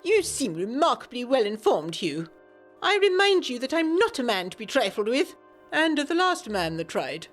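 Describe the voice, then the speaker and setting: A man's voice: extremely high pitch, big pitch swings, moderate pace, fairly bright tone, faint music behind, voice pushed up, heavily acted. Woman acting out menacing, haughty older lord. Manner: clipped threats, exclamations, old-fashioned formal speech.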